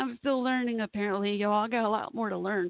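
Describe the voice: A woman talks at a moderate pace with vocal fry. The sound is dry and close, with no echo.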